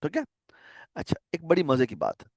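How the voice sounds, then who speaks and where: A man's voice: fairly high pitch, huge pitch swings, moderate pace, gravelly, no echo, studio quality. Man teaching code on a call. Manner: conversational, checks understanding with frequent questions. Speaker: programming teacher. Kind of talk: casual online lecture.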